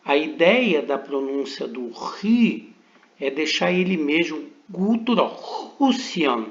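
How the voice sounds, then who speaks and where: A man with a Brazilian Portuguese accent teaching a recorded lesson, pronouncing each syllable at a very slow, deliberate pace. His voice sits a little high for a man. The recording is roomy and dull, like a lo-fi room capture. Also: sing-song. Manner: slow, deliberate pronunciation drills with repetitions. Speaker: Greek teacher.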